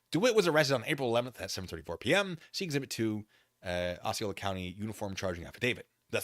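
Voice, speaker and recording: With a mid-range voice that's bright and forceful, this American streamer dramatically reads formal text aloud, his delivery swooping and very animated. He wanders into wry, casual asides and is easily excited, all captured in a close, dry recording.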